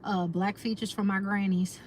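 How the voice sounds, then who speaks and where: A woman's voice: medium pitch, level tone, moderate pace, a little mellow, slight background noise. An American woman with an African American accent in her thirties, chatting casually to her viewers about self-care and style, talking to them directly. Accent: African American English. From United States. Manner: chatty, addresses viewers as y'all, reflective. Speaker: lifestyle vlogger.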